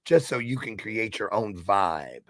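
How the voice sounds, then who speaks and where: A man's voice: fairly low pitch, expressive, a little slow, a bit bright, no room sound, studio quality. A man hosting a casual online talk show, chatty and upbeat with a playful, showman-like way of talking.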